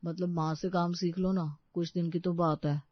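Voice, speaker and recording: A woman voicing a meek young husband in a cartoon story, speaking softly and pleadingly. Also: fairly low pitch, little pitch movement, normal speed, no room sound, highs cut off, pitched below the performer's own voice, close to an everyday voice. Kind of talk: Hindi cartoon story voice acting.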